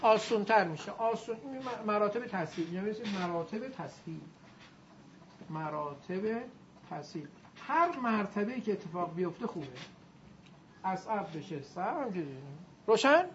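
Woman teacher lecturing a class. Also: mid-range voice. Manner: lively, drills the class in call-and-response. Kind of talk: classroom lecture on Arabic grammar. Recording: muffled recording with faint noise.

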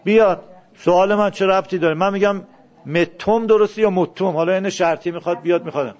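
A man's voice: sits high, a little mellow. A man teaching a classroom lesson, questioning his students and drilling word forms aloud. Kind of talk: classroom lesson on Arabic grammar. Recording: dull lo-fi classroom recording.

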